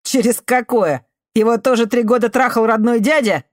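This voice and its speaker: A woman reading an audiobook voices a desperate young man who answers with bitter sarcasm and often breaks into shouting. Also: low voice, lively intonation, moderate pace, no room sound, studio quality.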